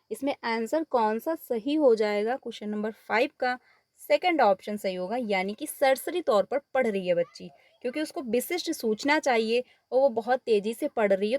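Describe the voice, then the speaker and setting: This exam paper walkthrough comes from a woman teacher whose voice is a little high with a darkish tone, recorded dry in a clean studio. She works step by step through the questions, mixes English terms into her Hindi, and repeats the answers.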